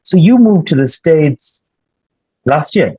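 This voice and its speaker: A man's voice: fairly high pitch, expressive, takes it slowly, warm tone, slightly rough, no room sound. A man hosting a casual conversation, often agreeing with short words and restarting his questions with stammers. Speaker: host, interviewer. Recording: dry, dull lo-fi audio.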